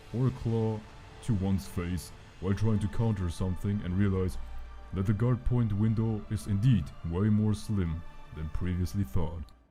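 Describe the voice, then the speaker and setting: A fairly low-pitched man with a non-native accent at a moderate pace, music in the background. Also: ordinary pitch variation. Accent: non-native English pronunciation. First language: not English. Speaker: gaming video commentator. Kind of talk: gaming commentary voice-over.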